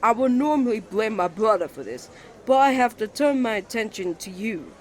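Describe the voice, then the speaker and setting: A man's voice: sits high, lively intonation, moderate pace. A man playing a jealous, flustered young student, a protective twin brother with a dramatic manner, in an ASMR romance roleplay. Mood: indignant. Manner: indignant, dramatic, stammering when flustered.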